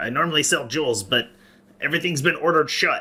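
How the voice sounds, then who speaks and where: Using a put-on character voice, a man rattles along at a very fast pace with a fairly high pitch. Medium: actual play. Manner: indignant, snappish.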